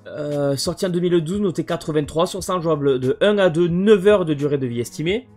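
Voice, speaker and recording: A man's voice: on the high side, brisk, a little mellow, soft background music. A man casually presenting his video game collection, hesitant and full of fillers. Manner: hesitant, many fillers and restarts.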